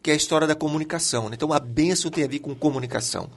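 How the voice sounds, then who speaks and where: A man's voice: a little high, rapid-fire. A man with a Brazilian accent teaching on faith emphatically in a Christian talk. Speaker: teacher and co-host.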